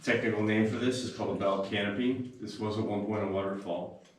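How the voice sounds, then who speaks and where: Echoing male cave guide, low-pitched. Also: steady tone, fast talker, a little hiss or hum. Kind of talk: guided tour narration to a group. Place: inside a cavern. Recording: very echoey cave, distant mic, music behind.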